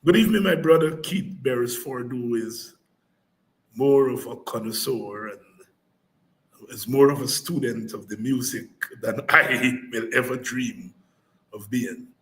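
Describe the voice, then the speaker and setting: A middle-aged man giving an impassioned political address, repeating phrases and rising into shouts. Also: medium pitch, a little slow, low-quality recording. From Guyana. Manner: fiery, declamatory, repeats phrases for emphasis, breaks into shouts. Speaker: podcast host and political speaker.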